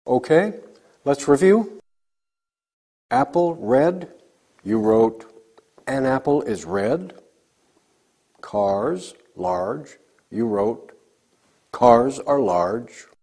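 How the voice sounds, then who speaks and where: A man teaching a recorded English lesson, slowly drilling example sentences for learners to repeat. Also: medium pitch, lively intonation, dark tone.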